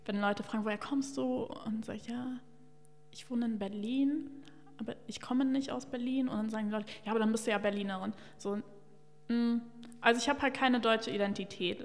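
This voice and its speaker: A young woman with a fairly high voice speaks frankly into a stand mic as a podcast guest. Her talk is casual and full of fillers, and she gives her opinions openly. The bare room adds a long trailing reverb. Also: a little fast, soft background music. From Luxembourg. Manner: candid, opinionated, lively with many fillers. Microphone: studio mic on a stand.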